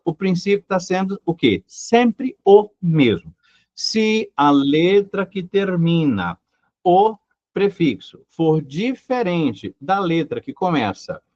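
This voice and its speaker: A man's voice: high voice, dry recording. A man teaching a live online grammar lesson. He talks emphatically, repeats his points and keeps asking rhetorical questions. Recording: dry, slightly dull recording.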